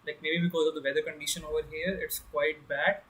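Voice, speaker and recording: A man's voice: on the high side, little pitch movement, fast talker, fairly bright tone, breathy edge, poor audio. A young man teaching an online bootcamp on a live stream, casually checking in with viewers and using many fillers while his camera is off. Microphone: computer mic on a live video stream, camera off.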